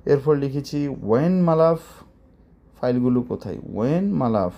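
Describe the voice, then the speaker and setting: A man with a mellow, darker voice gives a language lesson. He goes word by word and repeats each phrase. He keeps checking his listeners with quick questions. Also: medium pitch, expressive, dull audio. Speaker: Arabic teacher.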